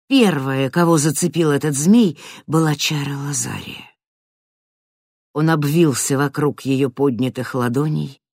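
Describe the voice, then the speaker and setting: Audiobook narrator, measured and dramatic, hushed-to-loud swings, dry studio sound. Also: medium pitch, no room sound. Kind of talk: scripted fantasy narration.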